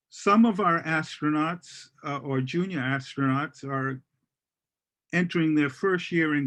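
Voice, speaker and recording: Against a quiet background, a man with an unremarkable speaking voice talks fairly slowly at a fairly high pitch. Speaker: robotics educator presenting at club meetup. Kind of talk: show and tell presentation.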